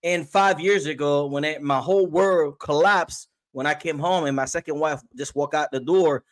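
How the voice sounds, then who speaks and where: A man's voice: on the high side, normal speed. A middle-aged man from Haiti, a guest and emotional health coach, chatting earnestly on a video call. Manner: earnest, animated storyteller. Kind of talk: casual chat on a video call. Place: small room at home. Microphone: video call webcam.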